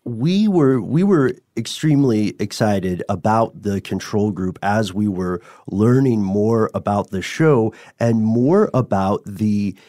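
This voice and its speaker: A man hosting a podcast in a conversational style, with measured, slightly formal and wordy phrasing. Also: on the low side, animated, mellow, no echo, clean studio sound. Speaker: podcast host.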